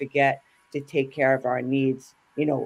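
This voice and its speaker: The speaker is a woman. She talks with a New York accent. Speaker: coach. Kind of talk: panel discussion.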